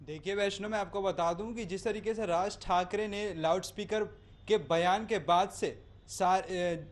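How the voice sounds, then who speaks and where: A man reporting live as a news correspondent, explaining in long, winding sentences with hesitations. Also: sits high.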